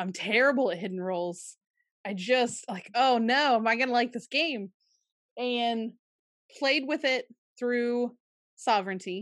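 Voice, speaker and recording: A high-pitched woman with an American accent, ordinary pitch variation and long, frequent pauses. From Ohio. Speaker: content creator. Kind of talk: casual chat. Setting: video call. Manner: fast talker.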